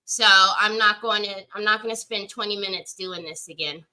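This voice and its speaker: A woman's voice: mid-range voice, normal speed, pushed and bright, poor audio. A woman hosting a casual craft livestream, chatting along and greeting viewers by name as she works. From Northern California. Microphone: computer mic on a livestream.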